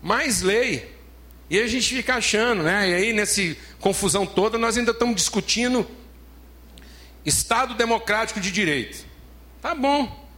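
High-voiced Brazilian pastor preaching emphatically. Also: male voice, moderate pace, sharp tone. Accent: Brazilian Portuguese. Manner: emphatic, repeats phrases, addresses listeners as beloved. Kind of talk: preaching a sermon.

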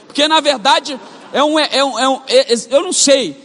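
Young Brazilian male pastor, very high voice, fervent repetitive preaching, long hall reverb. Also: moderate pace, bright, forceful tone. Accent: Brazilian Portuguese, mixed regional. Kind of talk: sermon. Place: church auditorium.

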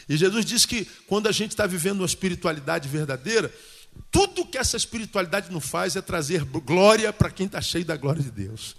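High-pitched pastor preaching in a hall. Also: male voice. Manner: colloquial, animated preaching with repeated questions to the congregation. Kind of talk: sermon. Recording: long hall reverb.

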